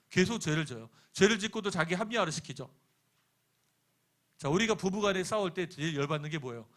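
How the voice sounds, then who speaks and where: A middle-aged male pastor preaching to his congregation in a church. His voice sits a little high for a man. He asks the people questions and then answers them himself, and he drops into quoted dialogue when he tells a story about his own life. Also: a bit bright. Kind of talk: sermon. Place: church sanctuary.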